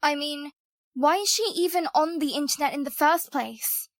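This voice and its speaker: A woman plays a sceptical young adventurer in an audio drama. Her voice is very high and recorded dry. She reasons through things in a questioning, analytical way. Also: normal speed, no echo. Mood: sceptical, thoughtful.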